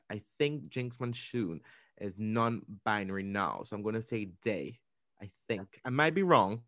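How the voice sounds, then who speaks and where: Fast-talking Trinidadian man telling stories. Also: medium pitch, no echo, studio quality. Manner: fast, rambling, with many restarts. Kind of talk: casual storytelling chat.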